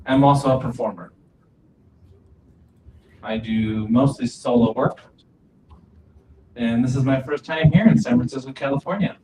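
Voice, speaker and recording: A man voicing deaf panelists' introductions as a sign language interpreter, speaking calmly in short phrases. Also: medium pitch, unhurried, long pauses. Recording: dull, distant, echoey, faint ambient noise.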